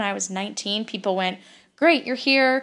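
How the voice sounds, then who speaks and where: An unremarkable speaking voice with a Canadian accent and ordinary pitch variation. The background is quiet. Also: woman. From Canada, Calgary, Alberta. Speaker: former Olympic luge athlete, culinary student. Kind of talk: casual interview.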